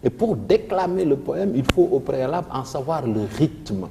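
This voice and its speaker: A man with a Senegalese French accent, a teacher explaining poetry and rhythm on a televised revision lesson, reciting lines of verse slowly. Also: on the high side, expressive, creaky, big-room sound, background noise. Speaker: literature teacher.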